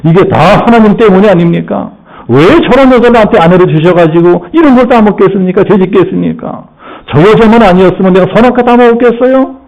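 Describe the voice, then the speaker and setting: A man's voice: sits high, fast, gravelly, a little mellow, pitched above the performer's own voice, rough recording. A man voicing Adam as a whining man who blames his wife and God. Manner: whiny complaining.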